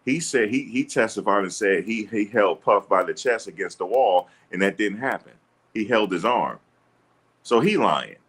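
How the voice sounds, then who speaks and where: A man with a deep voice hosting a livestream, reading and answering chat comments in a blunt, assertive, combative way. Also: expressive, normal speed, fairly bright tone, husky. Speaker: livestream host. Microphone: streaming setup.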